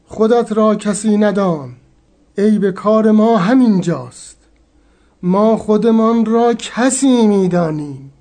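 An actor playing a wise old male sheikh in a radio drama, giving counsel in a slow, measured, teaching manner. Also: high voice, dark tone. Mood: calm, instructive.

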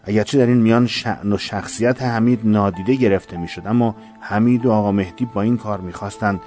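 A man narrating a scripted story in a steady, solemn manner. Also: fairly low pitch, soft background music.

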